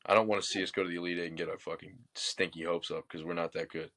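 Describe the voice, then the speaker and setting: A man's voice: low voice, flat delivery, rapid-fire, fairly bright tone. A man from Baltimore co-hosting a sports podcast, talking bluntly with lots of profanity and sarcasm. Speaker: podcast co-host. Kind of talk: casual sports chat.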